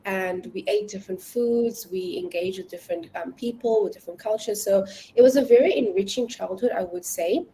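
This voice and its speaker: A woman's voice: medium pitch, a little fast, few pauses, mellow, a little hiss or hum, poor audio. A South African woman in her twenties, a language tutor chatting casually in an interview, with many fillers and easy laughs.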